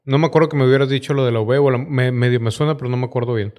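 A man's voice: medium pitch, steady tone, rapid-fire, darkish tone. A Mexican man with a mid-range voice talks casually, as with a close friend. His speech is informal and peppered with coarse slang. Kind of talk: casual chat.

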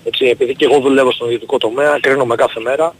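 A man in his forties calling a radio show, giving a measured, reasoned opinion with hesitant fillers. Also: medium pitch, fairly even intonation, slightly rough, poor audio. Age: 40s. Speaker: caller. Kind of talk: call-in opinion.

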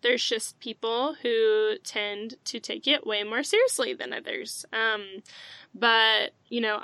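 A woman's voice: on the high side, bright, forceful tone, no room sound. A woman in her twenties hosting a casual faith podcast, bubbly and enthusiastic, laughing often. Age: 20s. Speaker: podcast host.

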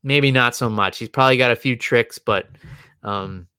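A man's voice: mid-range voice, normal speed, bright, forceful tone, smooth, dry recording. A man co-hosting a casual sports podcast, rambling with restarts and fillers. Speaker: podcast co-host. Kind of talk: casual chat.

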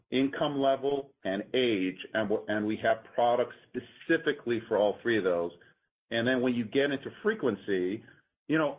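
Man, company executive, low pitch, halting explanatory delivery, muffled conference-call audio. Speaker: company executive answering analysts. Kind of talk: earnings call answers, unscripted explanation. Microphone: conference call line. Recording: muffled, narrow-band conference phone line.

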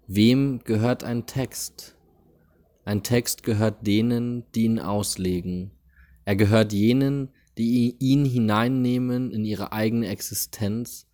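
A man hosting a podcast, reading a devotional text aloud in a deliberate, solemn way near a busy street. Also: lowish voice, darkish tone. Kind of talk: slow, measured reading of a spiritual text.

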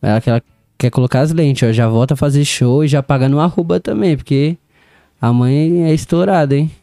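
A man's voice: on the high side, fairly quick, vocal fry, warm tone, no room sound, clean studio sound. A young man telling stories as a podcast guest, easygoing and full of slang. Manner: laid-back street slang, storytelling, laughs often. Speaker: DJ and music producer guest. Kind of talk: casual podcast interview.

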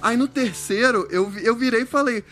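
A man's voice: very high-pitched, moderate pace. A man in a casual chat, telling a story expressively and acting out what he said. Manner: expressive storyteller, acts out his own outbursts. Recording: faint music underneath. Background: faint background music.

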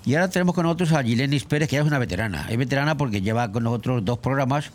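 Lively, jokey radio host. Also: male voice, medium pitch, racing. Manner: jokey, talkative, teasing questions. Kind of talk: casual radio interview.

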